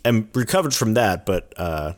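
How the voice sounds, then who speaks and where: A man co-hosting a podcast in casual chat, hoarse from bronchitis, rambling and correcting himself as he goes. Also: fairly low pitch, very animated, normal speed. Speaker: podcast co-host.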